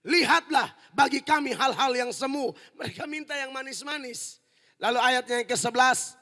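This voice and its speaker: A man preaching a fiery sermon as pastor, forceful and humorous, sometimes rising to shouts. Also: extremely high pitch, moderate pace. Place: large indoor church hall. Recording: long hall reverb in large church.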